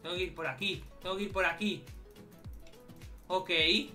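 A man giving excitable let's-play commentary, often shouting and calling out in a frantic way. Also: sits high, normal speed, faint music behind. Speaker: Roblox gaming YouTuber.

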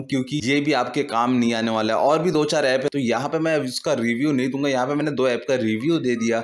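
A man narrating a casual app review as host of a gaming channel, talking colloquially and addressing viewers like brothers. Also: mid-range voice.

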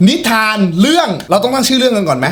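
A man's voice: very high-pitched, big pitch swings, very fast, a bit bright, a little hiss or hum. A young man hosting and telling an improvised story in a playful way, teasing his friends. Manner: playful, swears at friends, laughs often. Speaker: host and storyteller. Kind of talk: casual improvised storytelling chat.

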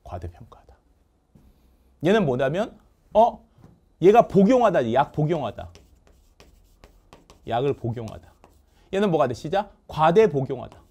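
A man teaching English vocabulary in a lively lecture, drilling words call-and-response and joking with his producer. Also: a little high, measured pace, long pauses, husky. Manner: call-and-response drilling, asks "됐습니까?" often; jokes with the producer off camera.

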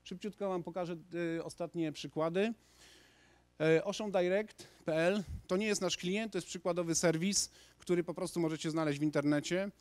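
A man in his thirties giving an energetic conference talk in a large lecture hall, speaking into a handheld microphone with frequent restarts. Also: sits high, normal speed. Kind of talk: lecture presentation to an audience.

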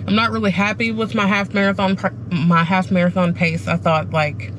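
A woman's voice: medium pitch, level tone, moderate pace, low-quality recording. A middle-aged woman vlogging casually to a dashboard camera in a car, talking in a candid, rambling, self-reflective way. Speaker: running vlogger. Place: sitting inside a parked car. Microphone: camera mounted on the dashboard. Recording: clear car and background noise.

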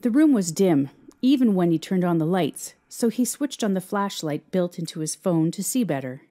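Mellow, lowish-voiced woman narrating. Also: lively intonation, moderate pace. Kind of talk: scripted story narration.

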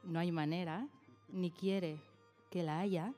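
Mellow-voiced woman reading aloud. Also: lowish voice, fairly even intonation, soft background music. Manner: measured, affectionate reading. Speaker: reader of a tribute. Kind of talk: reading a written text aloud.

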